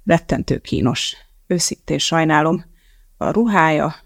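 A nauseous young scientist, put on by an audiobook reader mumbles in a breathy, groaning half-whisper. The voice is gravelly and heard close and dry. It is a storybook reading. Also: mid-range voice, lively intonation, no room sound. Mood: embarrassed. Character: sick, queasy young male scientist.

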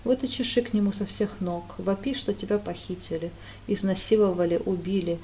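A woman's voice: mid-range voice, fairly even intonation, fairly quick, darkish tone, slight background noise, natural voice. A woman voicing a cold, curt male priest with a clipped, dry manner.

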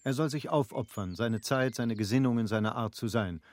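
Actor as an earnest, well-born middle-aged husband. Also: male voice, medium pitch, moderate pace, dry recording, close to an everyday voice. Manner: formal, earnest, articulate. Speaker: actor in a radio play. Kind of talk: literary German radio drama acting. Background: birdsong, faint nature ambience.

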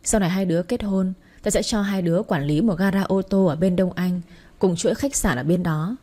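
A woman voicing an old, wealthy company chairman who speaks in a measured, commanding way. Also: lowish voice, mellow, lightly acted. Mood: calm. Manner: measured and authoritative.

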